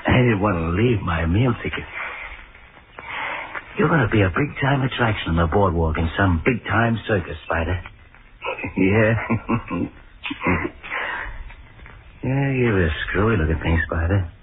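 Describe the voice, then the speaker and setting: An actor playing a rough, greedy man who catches creatures for a sideshow, in an old-time radio drama, with a gruff, mocking drawl. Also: low-pitched, lively intonation, unhurried, pauses often. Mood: gloating. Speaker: Joe, sideshow animal catcher. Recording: tinny lo-fi old radio recording with hiss.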